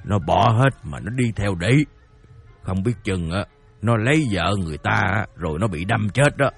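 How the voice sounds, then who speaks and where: A man playing a stern, grudging old father in a radio drama, with a gruff, dismissive way of talking. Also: lowish voice, animated, normal speed, faint music behind, full character voice. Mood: stubborn. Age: older.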